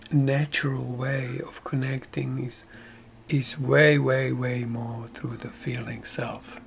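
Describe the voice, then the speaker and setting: A man from Slovakia with a Slovak accent, giving a slow spiritual talk, pausing to search for words and dropping to whispers. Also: mid-range voice, vocal fry, a little hiss or hum. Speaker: spiritual teacher.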